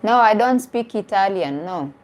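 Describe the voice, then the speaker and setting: A woman's voice: medium pitch, expressive, moderate pace, highs cut off. A woman, a dating coach chatting casually on a live stream, answering comments and repeating phrases for emphasis. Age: 40s.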